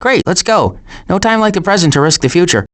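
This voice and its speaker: A man's high-sitting voice, moving fairly quickly, portrays a glib, sardonic animal adventurer in an animated video game. He leans on dry sarcasm and deadpan asides.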